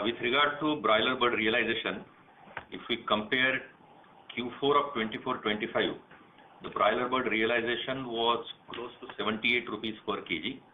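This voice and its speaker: A man's voice: mid-range voice, slight background noise. Indian executive man on a tinny phone line. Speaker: company senior manager answering analysts. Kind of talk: earnings call answers.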